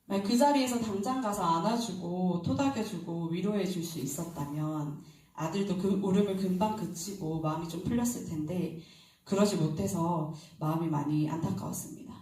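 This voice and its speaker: A woman's voice: fairly low pitch, normal speed, mellow. A woman preacher giving an early-morning sermon in a church, talking conversationally and asking the congregation questions. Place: church sanctuary. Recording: very echoey hall, distant mic.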